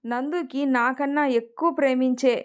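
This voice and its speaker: A woman's voice: high voice, fairly even intonation, normal speed, clear, resonant tone, natural voice. A woman voicing a stubborn young heroine who lost her father, in an emotional story reading. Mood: sorrowful.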